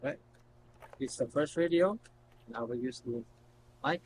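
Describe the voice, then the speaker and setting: A man doing a casual, unscripted product demonstration, explaining step by step in a halting way. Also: medium pitch. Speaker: product reviewer. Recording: noticeable background noise and hum.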